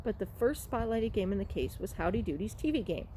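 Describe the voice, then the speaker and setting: A woman's voice: mid-range voice, expressive, brisk, mellow. A woman reading a children's storybook aloud, now and then stumbling over a word and rereading it. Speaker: library read-aloud reader. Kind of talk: storybook read-aloud narration. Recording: clearly noisy room recording.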